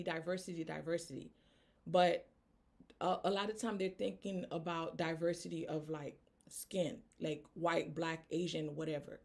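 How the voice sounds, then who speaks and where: Haitian-accented woman, low voice. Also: gravelly, darkish tone. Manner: earnest, tags statements with "right?". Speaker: business coach. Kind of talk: motivational talk to camera.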